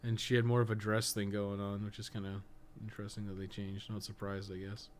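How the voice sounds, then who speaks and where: A man with a fairly low voice talks casually through a video game. He rambles in a blunt, offhand grumble and swears freely. There is clear noise behind his voice. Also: level tone, a little fast. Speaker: podcast co-host playing a video game. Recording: clearly noisy background behind the voice.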